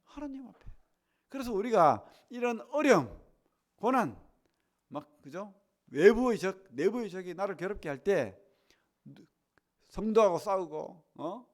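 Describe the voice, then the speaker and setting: A man preaching a sermon to his congregation, chatty, asking for nods, dropping to a near hush and then rising to loud emphasis. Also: high voice, lively intonation, unhurried, pauses often. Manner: conversational preaching with tag questions; swings between hushed and loud emphasis. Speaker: pastor. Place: church sanctuary.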